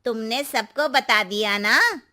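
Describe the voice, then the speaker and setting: Woman voicing a cartoon neighbor aunty, superstitious, knowing, slow speech, high voice. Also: bright, forceful tone. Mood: cautioning. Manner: warning, knowing.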